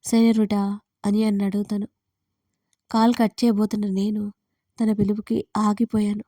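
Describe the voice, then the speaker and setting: A woman's voice: mid-range voice, normal speed, dry recording, studio quality. A woman narrating a first-person romance story, reading every character's lines in her own voice. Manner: reads all parts in her own voice, lively on quoted lines.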